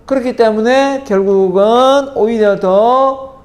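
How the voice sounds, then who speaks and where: A woman's voice: on the high side, slow pace. A woman lecturing in a parenting course, who keeps asking her listeners rhetorical questions and acts out what spouses say to each other. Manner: keeps checking in with the audience through rhetorical questions; acts out spouses' lines in lively quoted dialogue.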